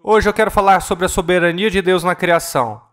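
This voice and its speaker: A man interpreting a ministry talk at a church conference, earnest and measured, sometimes correcting himself mid-word. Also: high voice, steady tone, a bit bright.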